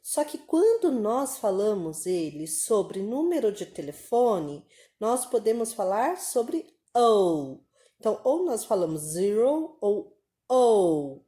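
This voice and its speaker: A female English teacher with a Brazilian Portuguese accent gives an online lesson, taking her time and stretching out each example phrase. Her voice is mellow and soft, and it carries a roomy echo. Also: mid-range voice, big pitch swings. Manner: slow, patient explaining with drawn-out example phrases.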